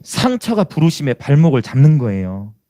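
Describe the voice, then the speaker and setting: A man's voice: mid-range voice, big pitch swings, moderate pace, warm tone. A male pastor preaching a sermon in an emphatic, exhorting, conversational way.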